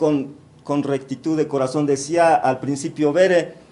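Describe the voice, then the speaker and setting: A man is speaking here. His pace is moderate and his intonation fairly even. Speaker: preacher. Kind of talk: sermon.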